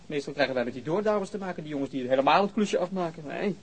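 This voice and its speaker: An actor playing a teasing, morbidly curious corpse collector in a radio drama, chatty and mock-deferential. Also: male voice, fairly high pitch, lively intonation, rapid-fire, slightly rough. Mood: needling.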